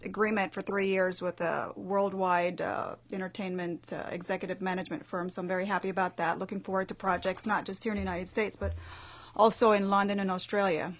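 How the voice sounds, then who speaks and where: A woman's voice: medium pitch, little pitch movement, fairly quick. Actress guest, woman, from Belize; eager, detail-heavy answers with restarts. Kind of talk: radio interview answers.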